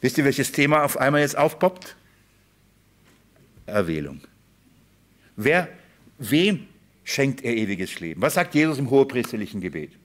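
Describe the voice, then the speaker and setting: A male preacher delivering a sermon in an emphatic, insistent way. He keeps turning to his listeners with rhetorical questions and drives each point home. His voice sits at an ordinary middle pitch for a man. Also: very animated, moderate pace, pauses often.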